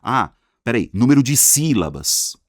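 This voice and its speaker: Animated Brazilian man teaching grammar. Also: mid-range voice, a little slow, no echo, studio quality. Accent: Brazilian Portuguese. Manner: animated, slangy, answers his own questions. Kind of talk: energetic online lesson.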